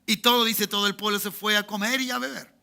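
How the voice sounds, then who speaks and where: A Chilean pastor with a Chilean Spanish accent preaches from the pulpit of a church. His voice sits high for a man and rings very bright and forceful. He climbs to loud emphatic peaks, drops into quiet asides, and keeps asking the congregation for amens. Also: fairly even intonation, fast, creaky. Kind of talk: sermon. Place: church sanctuary.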